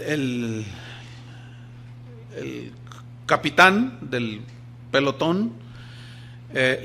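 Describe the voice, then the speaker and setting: A man's voice: a little high, fairly bright tone, slight background noise. A middle-aged man preaching a sermon, emphatic, telling stories and asking rhetorical questions. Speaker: pastor.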